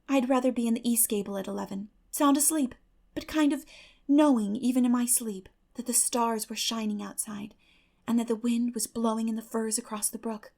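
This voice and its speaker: A woman plays an excitable orphan girl from a storybook, high in pitch. She gushes earnestly and dreamily, turning breathy and dramatic when carried away. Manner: gushing, dramatic, breathy in rapture.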